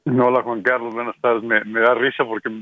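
A man's voice: medium pitch, level tone, brisk, no echo, phone-quality sound. Good-humored man on Catholic radio. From Mexico. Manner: good-humored, laughs easily. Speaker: regular radio contributor.

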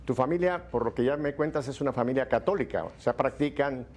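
A man hosting an interview, talkative and quick to laugh and give his own opinions. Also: mid-range voice, a little mellow. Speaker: interview host. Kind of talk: interview conversation.

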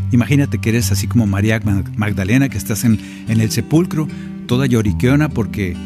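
A man hosting a Catholic prayer and reflection show, preaching in a colloquial way and repeating his phrases. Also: lowish voice. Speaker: Catholic singer-songwriter host. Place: home recording studio.

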